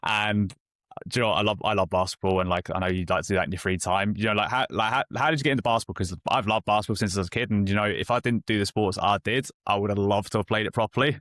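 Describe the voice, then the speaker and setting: A man's voice: fairly low pitch, fairly even intonation, fairly bright tone, no echo, clean studio sound. A man hosting a casual interview as a coach, chatty with rambling questions. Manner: chatty, quick, friendly questions. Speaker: host and weight loss coach.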